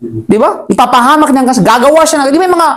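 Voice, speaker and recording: Woman religious teacher, raised voice, quick verse chanting, animated explaining, jokes with the group. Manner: lively, chatty teaching voice that swings up high for emphasis; laughs and jokes with listeners. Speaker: Islamic teacher. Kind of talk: Quran commentary lesson to a live group.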